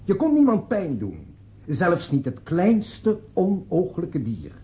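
Sentimental orator, radio drama, slow declamation, sweeping intonation, dull recording. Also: male voice, sits high, huge pitch swings, exaggerated voice. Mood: solemn, tender. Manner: declamatory, deliberate, with dramatic pauses. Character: theatrical male friend delivering a solemn, sentimental funeral eulogy. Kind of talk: Dutch radio drama acting.

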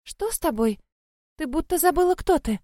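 A bright, high-pitched young rabbit girl, as a woman reading a storybook puts her on, earnest and fussing over a friend. Her worried voice sits well above the narrator's, and the sound is close and dry. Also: lively intonation, normal speed, no room sound. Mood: concerned.

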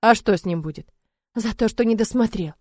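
A woman voicing a stern, commanding middle-aged father who barks curt, loud orders. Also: medium pitch, fairly quick, no echo, natural voice.

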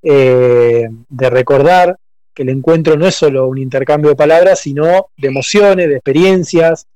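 A man's voice: fairly high pitch, moderate pace, warm tone, dry recording, rough recording. A man in a cultural discussion, speaking thoughtfully with frequent hesitations. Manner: thoughtful, hesitant, uses voseo.

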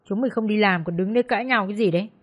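Woman reading as a rough bossy bar manager guy, barks orders. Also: medium pitch, racing, natural voice. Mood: gruff. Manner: harsh, bullying. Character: gruff male karaoke bar manager and bouncer.

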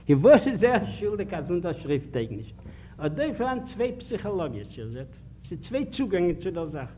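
A man lectures in a fairly high voice, driving his points home with pointed questions and little stories. He sounds thin and narrow, like an old archival tape played over a phone line. A soft hiss runs underneath. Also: moderate pace. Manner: animated, emphatic, rhetorical questions to the audience. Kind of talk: public lecture with anecdotes.

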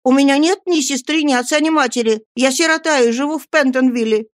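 A woman plays a small, frightened orphan boy with a thin, very high voice that strains when he calls out. It is recorded close and completely dry. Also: brisk, no room sound, natural voice. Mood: insisting. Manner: frightened, crying out for help.

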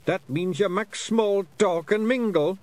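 A man voicing a rowdy, bossy little pixie chief with a broad Scottish accent and a gruff, scolding manner. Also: high-pitched, a little slow, a little mellow, dry recording, voice pushed up. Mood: exasperated. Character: rowdy tiny blue-kilted male pixie, bossy.

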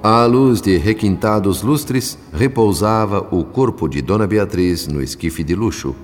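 Man as a deep, reverberant Brazilian narrator. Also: measured pace, soft background music, lightly acted. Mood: solemn, reflective. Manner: solemn, formal, literary. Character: earnest, reflective male spirit narrator. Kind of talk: scripted radio drama narration.

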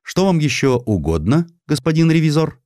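A man's voice: fairly high pitch, sing-song, moderate pace, a little mellow, no echo, clean studio sound, voice pushed up. A man voicing a brazen, thieving general with a mocking, self-assured manner in an audiobook. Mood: smug, mocking. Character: brazen, smug thieving old-regime general.

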